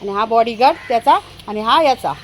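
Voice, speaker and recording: A woman's voice: fairly high pitch, expressive, a little fast, noisy background. A woman vlogging casually at home, talking to viewers and calling out to her dogs. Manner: chatty, calls out to dogs often.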